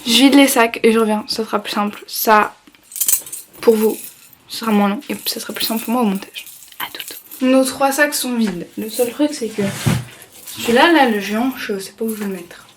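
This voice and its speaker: A woman's voice: fairly high pitch, normal speed, far from the mic, noisy background. Chatty young woman in an echoey room. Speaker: vlogger. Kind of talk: casual vlog chat while tidying. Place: her bedroom, indoors. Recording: echoey room, voice from off-mic, faint background clatter.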